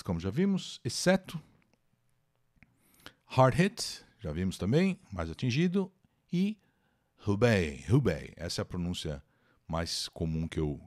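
A man from Brazil teaching English in a live lesson. He reads English text aloud, translates it, explains it, and talks to his viewers by name. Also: low-pitched. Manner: lively, encouraging teacher voice.

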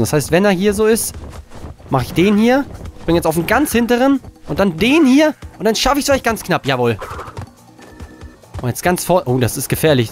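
Indoors at a desk, a man with a voice on the high side provides live let's play commentary. Frustration gets the better of him and he swears, then talks himself back to calm.

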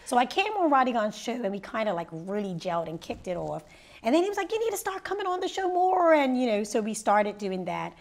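Gravelly-voiced woman in an interview. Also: a little fast. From Bermuda. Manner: lively storyteller, rises high when excited. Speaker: interview guest, radio personality and youth mentor. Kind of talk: sit-down interview. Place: living room set indoors.

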